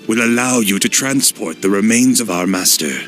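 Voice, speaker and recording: A servile cult acolyte, voiced by a man explains matters politely to his lord. His fairly low voice carries a sharp, tense brightness over faint game music. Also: moderate pace, close to an everyday voice. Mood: deferential. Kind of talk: video game cutscene acting.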